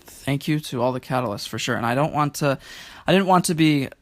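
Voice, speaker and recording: A man's voice: mid-range voice, brisk, no room sound, studio quality. A man speaking in an earnest, reflective way as a guest poet. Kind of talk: earnest conversational talk and poetry reading.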